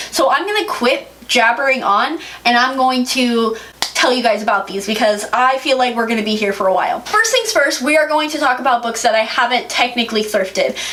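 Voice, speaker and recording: Over noticeable background noise, a woman talks at a fairly quick pace and high pitch, her tone animated and intonation lively. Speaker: book youtuber. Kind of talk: casual vlog talk to camera.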